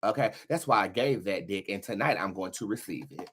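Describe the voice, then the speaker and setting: A man's voice: lowish voice, animated, a little fast, very noisy. A man hosting a tarot show in casual livestream talk, with a sassy, emphatic, profanity-laced delivery. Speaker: host of a tarot reading show.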